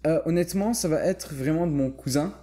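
A man's voice: fairly high pitch, fairly quick, mellow. A young man from Lebanon speaking French with a light Lebanese accent, chatting thoughtfully with many small restarts. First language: Lebanese Arabic. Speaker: guest. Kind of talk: casual chat.

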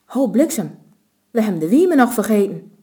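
A woman with a Low voicing a bossy male gang leader who gives curt orders. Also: sing-song, fairly quick, dark tone, lightly acted. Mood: commanding.

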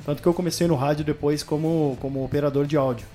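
Man in his thirties, from northern Paraná, radio sports commentator, chatty guest, slightly high voice, faint music behind. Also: fast. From northern Paraná, Brazil. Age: 30s. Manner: relaxed storytelling with many tag questions. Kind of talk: casual podcast interview.

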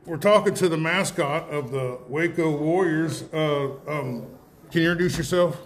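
A man with an American accent hosting a casual live radio interview, chatty and joking, with halting delivery. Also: on the high side. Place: public venue used for a live broadcast.

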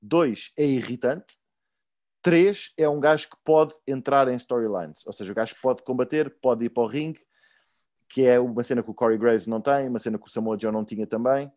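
A man's voice: mid-range voice, a little fast, a little mellow, dry recording, lo-fi sound. A young man chatting casually as a podcast co-host, slangy and mixing in English words and swearing. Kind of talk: casual chat.

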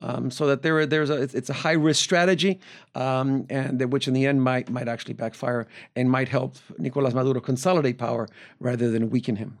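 A man from Venezuela talks as a guest professor on a podcast. He explains things carefully at an even, middling pitch. He often pauses on fillers and restarts his sentences. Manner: measured, explanatory, with frequent filler hesitations and restarts. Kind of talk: conversational interview answers.

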